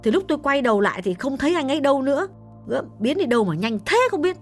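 A shrill, fussy older mother, put on by a male storyteller, who talks in quick, exasperated bursts and insists she is right. The voice sits high and thin above his own. Faint music plays underneath the audiobook reading. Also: sing-song, exaggerated voice. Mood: indignant.

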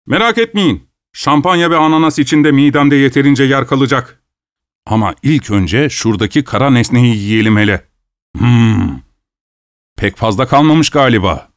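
A man playing a greedy dinner guest in a storybook reading, smug and unhurried. He sounds sly, with a dry, close delivery and an easy drawl. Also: medium pitch, no echo, lightly acted. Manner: smug, leisurely, feigned innocence.

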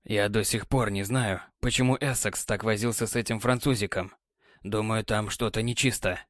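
Brief: gruff, sighing old sea captain, read by a male narrator, low and quiet. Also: fairly even intonation, normal speed, no room sound, clean studio sound, natural voice. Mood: weary. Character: weary, gruff older sea captain, tender husband. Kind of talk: audiobook character voice.

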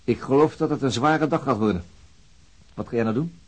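An actor playing a sober, weary police detective in a radio drama, restrained and questioning, with a very husky voice. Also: male voice, medium pitch, brisk, natural voice.

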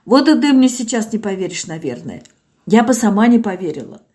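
A woman's voice: medium pitch, very animated, a little fast, mellow, lightly acted. A woman voicing a tearful older village woman who talks in a sing-song, folksy way and sobs as she speaks.

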